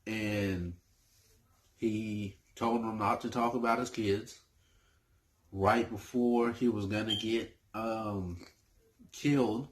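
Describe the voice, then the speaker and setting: A man talks casually about his favorite movies for his channel. He speaks slowly in a lowish voice, often stopping to restart his sentences. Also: steady tone. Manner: hesitant, full of fillers and restarts. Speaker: movie review YouTuber.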